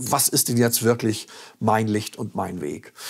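A man's moderately paced speech over a quiet background. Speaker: interview guest. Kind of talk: interview answer. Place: studio. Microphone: headset.

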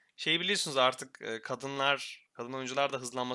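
A man's medium-pitched voice with a bright, sharp tone at a fairly quick pace. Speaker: gaming YouTuber. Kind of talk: gameplay commentary. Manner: casual, filler-heavy.

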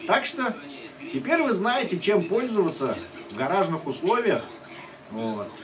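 Noticeable background noise sits behind a man speaking at a very slow pace. His pitch is high. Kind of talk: casual tutorial. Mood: joking, cheerful. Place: garage.

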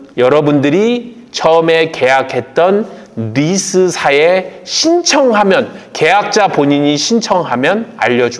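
The speech is very slow, with very wide pitch swings. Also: man. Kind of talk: explainer talk to camera. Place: studio. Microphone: lapel.

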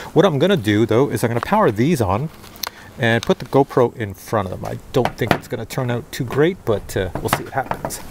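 A man talks at a fairly quick pace with lively intonation. The sound is dry with no echo, but there is noticeable background noise. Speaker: drone reviewer. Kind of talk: tutorial. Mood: cheerful, amused. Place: garden. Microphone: lapel.

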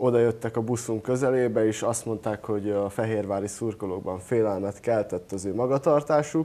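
Fairly even intonation marks this man's speech at a moderate pace. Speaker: drummer. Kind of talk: casual sports talk. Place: studio. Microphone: lapel.

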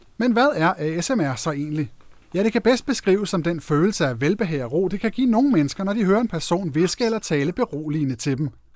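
A man's high-pitched voice swings very widely in pitch as he talks fairly quickly. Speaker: news video narrator. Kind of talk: news explainer narration.

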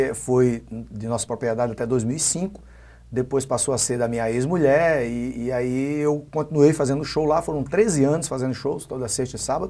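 Speaking at a moderate pace, the man has a dark, mellow tone. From Brazilian Northeast, interior of Paraíba. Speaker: comedian. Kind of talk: interview. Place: studio. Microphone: lapel.

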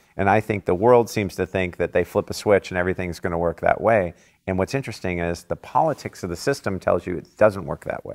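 A very fast man's voice, very deep and low, with ordinary pitch variation, hardly any pauses and a quiet background. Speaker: interviewee. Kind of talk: interview answer. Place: home room. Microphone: lapel.

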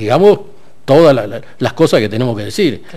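The setting behind him is quiet. This man's pitch swings very widely as he talks. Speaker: guest. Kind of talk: interview answer. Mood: critical, ironic. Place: studio.

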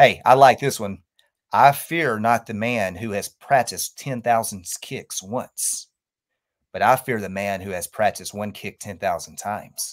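Against a quiet background, a man speaks at a fairly slow pace with ordinary pitch variation and big swings in loudness. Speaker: podcast co-host. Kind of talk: casual chat. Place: home room. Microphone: webcam.

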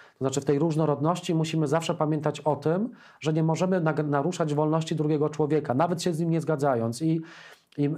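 Against a quiet background, a man with a fairly high pitch and a dark, mellow tone speaks at a very fast pace, his intonation fairly even and his loudness very even. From Poland, Podkarpacie region; Poland. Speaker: politician and lawyer; politician, lawyer. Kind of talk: interview; interview answer. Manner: halting, frequent repetitions and fillers. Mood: earnest, thoughtful. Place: studio. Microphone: lapel.

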